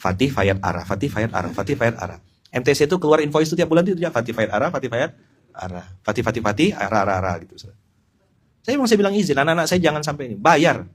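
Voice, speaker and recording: A middle-aged man, giving an informal sermon in an animated, joking way and speaking straight to his listeners. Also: a little high, fast talker, breathy edge. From Pontianak, West Kalimantan. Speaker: Islamic preacher.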